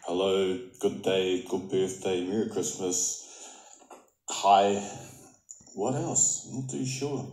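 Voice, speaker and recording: A man with a New Zealand accent leaves a relaxed, rambling voice message in a low, mellow voice. He pauses to think between thoughts, and the recording sounds roomy and echoey. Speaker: viewer sending a voice message. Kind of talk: casual voice message.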